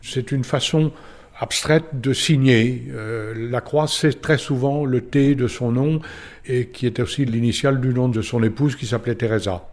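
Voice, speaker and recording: A man giving unscripted art commentary, explaining in a measured way with pauses between short phrases. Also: mid-range voice, fairly even intonation, darkish tone.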